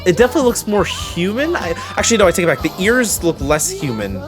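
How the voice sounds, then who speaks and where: A man's voice: high-pitched, huge pitch swings, fast talker, over music. A man hosting a reaction video with casual, rambling commentary.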